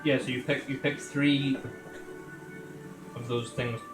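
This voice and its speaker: A man's voice: medium pitch, flat delivery, takes it slowly. A man narrating a tabletop game off the cuff as game master. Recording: echoey room, music underneath.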